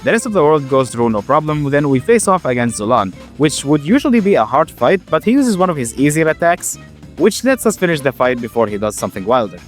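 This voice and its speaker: A young man who stutters often, narrating and reacting loudly to a game he is playing, casual and swearing. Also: on the high side, sing-song, fairly quick, faint music behind. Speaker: gaming YouTuber. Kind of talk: game commentary with voice-over narration.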